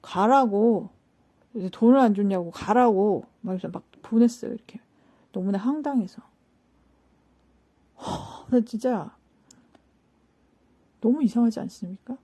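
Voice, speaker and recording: A woman hosting a spiritual talk, telling an anecdote in a casual, animated way, acting out quoted lines and asking the listeners rhetorical questions. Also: fairly high pitch, breathy edge. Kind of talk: casual storytelling lecture.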